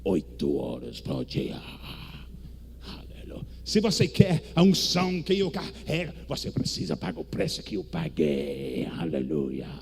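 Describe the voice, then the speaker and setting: A man's voice: wildly swooping pitch, unhurried, creaky, a little mellow, slight background noise, exaggerated voice. A man playing a boastful preacher who hawks his anointing in a pompous, theatrical sermon parody. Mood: pompous boasting. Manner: pompous, theatrical sales pitch.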